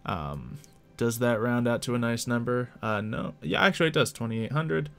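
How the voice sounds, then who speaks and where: A man's voice: mid-range voice, lively intonation, moderate pace, gravelly, fairly bright tone, clean tone, faint music behind. A man chatting casually as he runs a tabletop roleplay game as game master.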